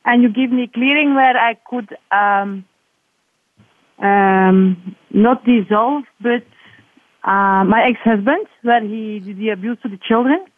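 A woman from Belgium on a phone call, her somewhat high voice thin and boxed in by a tinny line. She talks hesitantly and earnestly, pausing on ums as she searches for words. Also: no echo. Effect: over the phone. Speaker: caller. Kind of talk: call-in chat.

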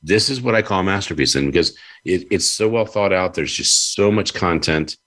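A man's voice: sits low, moderate pace, a bit bright. A man hosting a conversational interview, effusive and given to repeating his phrases. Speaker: host; publisher.

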